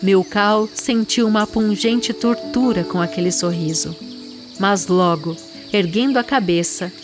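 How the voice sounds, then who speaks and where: A woman's voice: mid-range voice, unhurried, over music. A woman with a Brazilian accent who hosts a literary podcast, reading and talking about books. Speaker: podcast host and literary reader. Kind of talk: literary narration and conversational book discussion.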